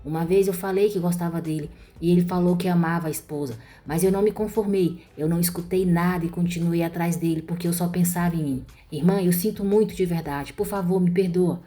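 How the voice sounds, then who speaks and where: A woman's voice: on the low side, steady tone, a little fast, hardly any pauses, mellow, lightly acted. A woman voicing a young woman who confesses and begs her sister's forgiveness, in a pleading tone. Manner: pleading, remorseful.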